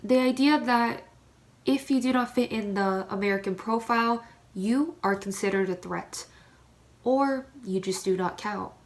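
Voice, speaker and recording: A woman giving serious, deliberate scripted narration in a readers theater performance. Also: a little high, a little hiss or hum.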